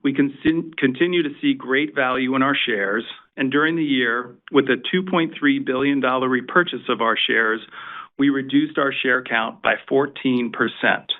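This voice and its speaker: A man's voice: mid-range voice, moderate pace. A man reading prepared remarks formally as a finance executive on a corporate earnings conference call. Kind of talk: scripted corporate earnings presentation. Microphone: conference call line. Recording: tinny, phone-like conference call line.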